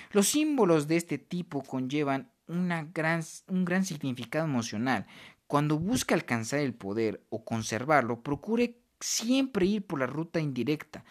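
Male reader, mid-range voice, deliberate nonfiction read-aloud with small restarts. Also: mid-range voice. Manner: unhurried reading with pauses and self-corrections. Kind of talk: reading a nonfiction book aloud.

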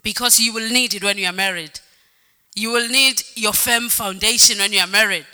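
A woman's voice: medium pitch, moderate pace, bright, forceful tone, clean tone. A woman preaching a sermon in a church hall, stressing points by repeating words and calling out "Amen". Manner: sings some phrases, varies pace. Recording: reverberant hall with faint music.

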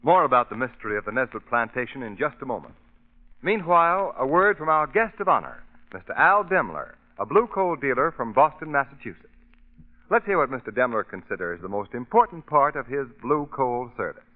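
Old timey radio announcer guy, midrange voice, very lively polished pitch, super muffled recording. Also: brisk. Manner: polished, emphatic. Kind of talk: 1940s radio sponsor announcing, scripted.

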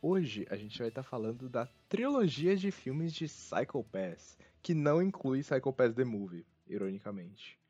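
A Brazilian man hosts a casual, joking podcast. He talks with wry self-mockery in a medium-pitched voice. The recording is a bit dull, with music playing behind him. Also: sing-song, unhurried, few pauses, dark tone, husky. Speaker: podcast host. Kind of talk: casual humorous anime podcast chat.

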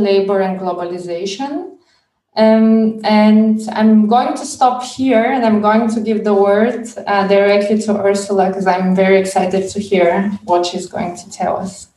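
Flat-voiced moderator woman, distant and roomy. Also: medium pitch, a little slow. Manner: hesitant, many fillers. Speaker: moderator introducing the speaker. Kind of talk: reading a speaker introduction. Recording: roomy sound, distant from the mic.

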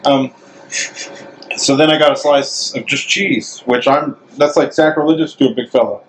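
A man with a deep, bassy voice from the American South hosts a casual interview, rambling playfully from one story to the next. His pitch sits in the ordinary middle range. A faint hum of background noise runs under the talk. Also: normal speed, a bit bright, poor audio. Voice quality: deep bass voice. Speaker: interview host. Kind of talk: casual chat.

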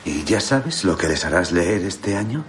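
A friendly history teacher chatting easily with a colleague. His voice is very low, with a faint hiss behind it. Dubbed film dialogue. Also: lively intonation, normal speed. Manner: casual, collegial.

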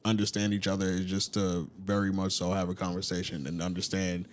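A man's voice: low voice, monotone, fairly quick, a little hiss or hum. A man with an African American accent talking in a reflective, conciliatory way in a casual group discussion.

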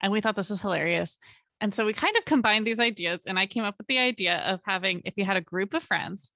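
A woman's voice: medium pitch, lively intonation, fast talker, sharp tone, dry recording, clean studio sound. A woman in her late twenties co-hosting a podcast, chatting casually, laughing often and trailing off mid-sentence. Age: late 20s. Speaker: podcast co-host.

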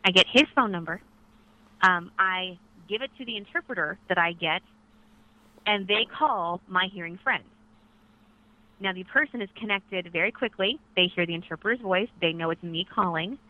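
A woman voices a caller as a live relay interpreter. Her delivery is conversational and explanatory, halting at times before flowing on. The sound is dull and lo-fi, as over a telephone. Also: on the low side. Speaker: sign language relay interpreter voicing a caller. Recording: dull radio-like telephone line.

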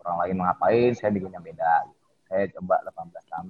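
A man's voice: low-pitched, steady tone, quick pace, slightly rough. A middle-aged man, a podcast guest, talking casually and rambling with many fillers and restarts. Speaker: podcast guest, fitness method founder. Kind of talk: casual interview talk. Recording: tinny phone-like line.

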